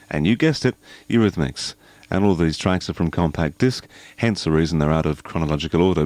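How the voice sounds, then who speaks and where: A man's voice: sits low, a little mellow, dry recording. An Australian man presenting music and promotions as a 1980s radio DJ.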